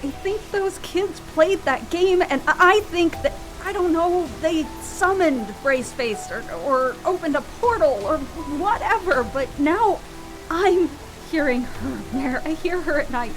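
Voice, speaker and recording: A woman's voice: high-pitched, animated, measured pace, over music, low-quality recording. A woman acting in a radio play as an anxious, tipsy, grieving friend who is haunted by guilt, hesitant and stammering. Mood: frightened.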